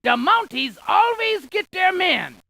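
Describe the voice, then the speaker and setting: Quirky educational-game scientist: excitable, gravelly edge, quippy delivery, close dry sound. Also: female voice, very high-pitched, a little slow, dry recording, full character voice. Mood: cheerful, informative. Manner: theatrical, quippy, exaggerated emphasis. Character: excitable, quirky museum scientist giving landmark trivia. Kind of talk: playful scripted educational game narration.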